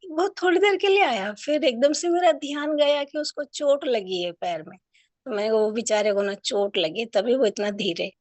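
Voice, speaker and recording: A woman student speaks in a rather high voice, earnest and a little rambling as she shares her reflections. The recording is dry, with no room echo. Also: normal speed. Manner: earnest, rambling, addresses teacher as didi. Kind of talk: casual sharing in an online class.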